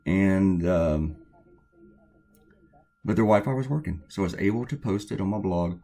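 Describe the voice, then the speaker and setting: Chatty low-voiced man, slightly hoarse. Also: expressive, moderate pace, dark tone. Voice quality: hoarse, weak voice. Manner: rambling, chatty storytelling with many fillers. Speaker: cartoonist. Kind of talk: casual chat while drawing.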